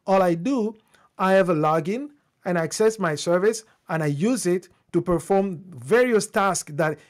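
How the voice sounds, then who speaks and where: A man's voice: sits high, animated, normal speed. A man whose first language is French, hosting a live-streamed tech talk in English, speaking off the cuff with restarts and fillers while greeting viewers. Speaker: host.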